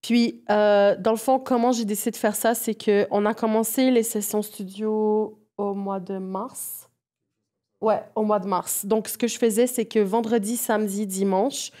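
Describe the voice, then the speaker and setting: A woman talks as a guest in a relaxed interview. Her voice is soft-edged and mellow, and she speaks informally, slipping English music terms into her storytelling. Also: medium pitch. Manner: informal, mixes English music slang into French. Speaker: guest, music project producer.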